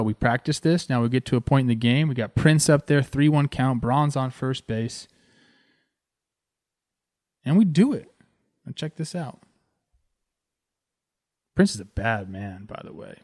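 A man in his thirties from Southern California, a former ballplayer and host, telling stories in an excited, casual way. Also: no room sound, clean studio sound. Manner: excited, animated, talks with fillers like "man" and "boom". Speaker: former ballplayer hosting a show. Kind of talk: casual storytelling.

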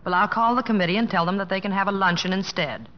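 An American actress playing a devoted, gently scolding wife in an old radio drama, earnest and solicitous. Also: female voice, mid-range voice, fast, lightly acted. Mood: concerned, firm. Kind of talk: 1950s American radio drama, acting and narrating. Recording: dull vintage radio recording, music behind.

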